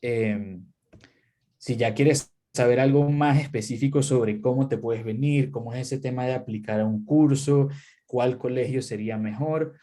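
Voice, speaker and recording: A man's voice: medium pitch, a little slow. A young adult man, an English teacher, giving casual conversational advice in an interview, with frequent fillers. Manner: relaxed, conversational, uses many fillers.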